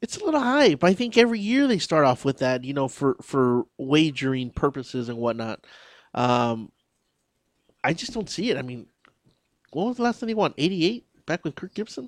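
A normal speaking voice from a man with an American accent, fairly high-pitched, in a dry, close sound with no echo and a quiet background. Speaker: radio host. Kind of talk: radio DJ patter. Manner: upbeat, rapid-fire, jokey patter.

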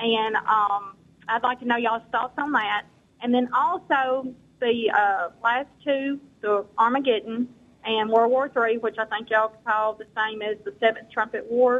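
A woman talks in a strong Southern US accent. Her pitch is fairly high. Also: fairly even intonation, fairly slow pace. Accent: strong rural Southern US. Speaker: caller. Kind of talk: call-in question.

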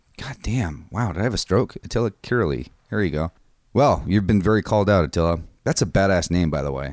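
A man with a very deep, low pitch, vocal fry and lively intonation at a fairly quick pace, in a dry, close sound with no echo and a quiet background. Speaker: podcast host. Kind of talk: casual podcast chat. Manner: halting, filler-heavy.

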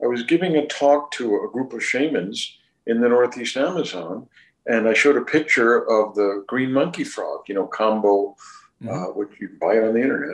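This man has a normal speaking voice at a medium pitch with ordinary pitch variation. He speaks at a moderate pace. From US South, Louisiana. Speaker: ethnobotanist. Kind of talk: interview.

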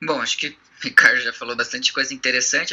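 A man talks over noticeable background noise. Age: 20s. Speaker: information security specialist. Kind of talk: casual chat. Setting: remote recording.

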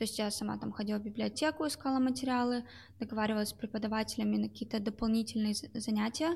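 A woman talks very fast, her voice somewhat breathy. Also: fairly high pitch for a woman, ordinary pitch variation. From Russia, Chelyabinsk. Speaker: engineering graduate, tech company employee. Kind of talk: interview.

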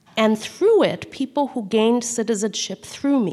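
A woman with a Bengali accent on a very clean recording, the background silent. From India. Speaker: author and editor. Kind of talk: moderated author conversation before live audience. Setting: stage with audience.

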